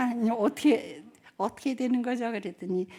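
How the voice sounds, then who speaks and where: Lively intonation and a dark, mellow tone come through in a very clean recording with a silent background. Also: woman. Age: 80s+. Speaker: church elder giving testimony. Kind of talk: testimony. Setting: church.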